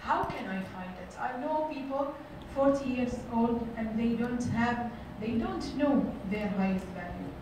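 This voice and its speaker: Woman, middle-aged, high voice, motivational workshop talk, echoey conference room, far-off camera, noisy. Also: animated, measured pace, few pauses. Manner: earnest, repeats phrases, many fillers. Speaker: workshop speaker. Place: large hotel conference room.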